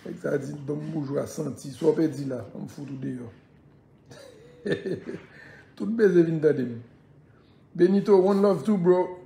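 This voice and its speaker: A man's voice: fairly high pitch, unhurried, vocal fry, pauses often, warm tone, reverberant. A man from Haiti with a Haitian accent, chatting loosely on a live stream and repeatedly urging viewers to share it. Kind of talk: casual live-stream chat.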